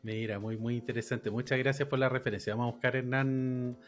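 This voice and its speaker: A man hosting an interview podcast, reacting with keen enthusiasm. He stresses his praise by repeating words. His voice sits at a middle pitch. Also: fairly even intonation, a little fast, faint music behind. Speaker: podcast host. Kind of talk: casual interview.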